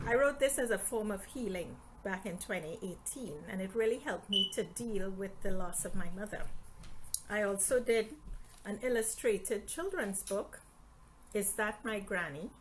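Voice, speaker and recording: A middle-aged woman from Trinidad and Tobago talks in a friendly, chatty way about her books on a live stream. Her voice sits at an ordinary middle pitch for a woman. A faint hiss of noise runs under the recording. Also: measured pace, low-quality recording. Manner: friendly, chatty, reads aloud from her book. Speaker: author hosting a live stream. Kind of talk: casual live-stream talk and reading.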